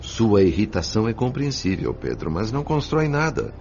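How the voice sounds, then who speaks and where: Um ator interpretando um mentor espiritual sábio e sereno em radionovela, que aconselha de modo ponderado e didático. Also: male voice, on the low side, huge pitch swings, gravelly, heavily acted. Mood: calm, admonishing. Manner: measured, admonishing, didactic. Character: serene, wise male spirit mentor counselling a friend. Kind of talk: radio drama acting with narration. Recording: dull lo-fi audio with music behind.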